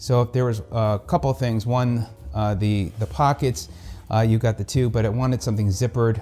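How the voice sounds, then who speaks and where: A man speaks at a moderate pace with very even loudness. His voice is somewhat breathy, with ordinary pitch variation. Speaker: product reviewer. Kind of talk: product review talk. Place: kitchen. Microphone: lapel.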